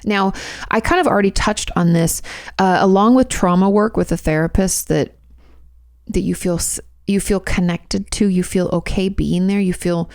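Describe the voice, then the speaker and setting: Woman therapist-host, low gravelly tone, gentle and reassuring, dry recording. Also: moderate pace, no echo. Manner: gentle, reassuring, repeats phrases while thinking. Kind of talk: advice podcast answering listener questions.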